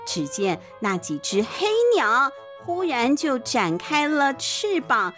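Taiwanese mandarin lady doing kids bedtime stories, super animated, chatty explainer, music underneath. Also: high-pitched, takes it slowly. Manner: expressive, chatty explaining with sentence-end particles. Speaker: podcast host and storyteller, a mother. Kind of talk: animated children's bedtime story narration with chatty asides.

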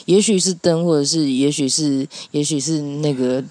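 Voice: mid-range voice, a little mellow, no echo. Taiwanese-accented Mandarin speaker in a dry room. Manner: halting, mixes in English words. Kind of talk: casual reflective chat.

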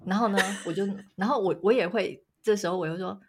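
A woman's voice: mid-range voice, fast talker, slight background noise. A woman in her thirties with a Taiwanese Mandarin accent, co-hosting a casual podcast chat and acting out quoted lines as she tells stories. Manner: animated storytelling, acts out quotes, laughs often. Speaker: podcast co-host.

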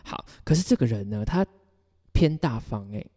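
A man's voice: mid-range voice, big pitch swings, moderate pace, mellow. A man with a Taiwanese Mandarin accent chatting casually as a podcast co-host and telling personal stories in a giggly, rambling way. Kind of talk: casual chat, personal storytelling. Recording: reverberant, hall-like sound.

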